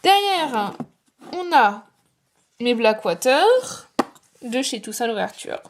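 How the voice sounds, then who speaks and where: A young woman walks through her home bookshelves in a relaxed, chatty vlog. She rambles and fills pauses with hesitations. Her voice sits a little high. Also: slight background noise. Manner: chatty, rambling with many fillers. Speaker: booktuber and author. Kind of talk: casual book-collection vlog.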